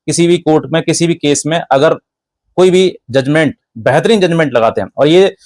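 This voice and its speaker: A man's voice: a little high, normal speed, a little mellow, no echo, clean studio sound. A man giving an explanatory legal talk to viewers, instructive and emphatic, often repeating and listing points. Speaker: legal advice presenter.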